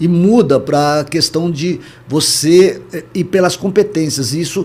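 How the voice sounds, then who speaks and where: A man speaks in a high pitch. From Brazil, Guarulhos (São Paulo). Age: 60s. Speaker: business executive and professor. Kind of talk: interview. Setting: live-streamed talk show.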